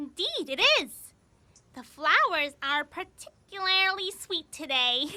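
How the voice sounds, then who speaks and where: Using a put-on character voice, a woman talks at a fairly slow pace with an extremely high pitch. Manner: pleased, friendly.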